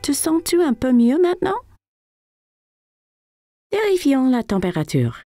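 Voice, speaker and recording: Gentle, attentive young child's mother for animation, lilting delivery, music underneath. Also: high-pitched, big pitch swings, unhurried, no room sound, heavily acted. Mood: caring, reassuring.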